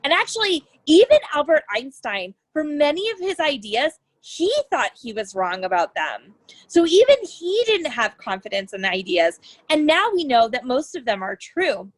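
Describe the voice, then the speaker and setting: A woman's voice: high-pitched, no echo, rough recording. A woman science educator presenting a lesson for young children, explaining things in simple terms as she reads and demonstrates.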